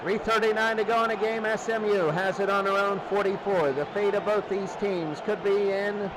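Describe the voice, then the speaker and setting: Over a loud, noisy sports crowd, a man with a high, steady voice delivers live radio commentary on American football. At a moderate pace, the play-by-play announcer gives short running calls, repeating the downs and scores.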